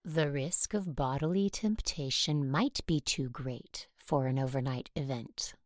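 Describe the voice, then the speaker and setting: A woman playing a stern, controlling Catholic nun who teaches, speaking in a measured, formal way in an audio drama. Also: extremely low pitch, no echo, studio quality. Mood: stern, disapproving.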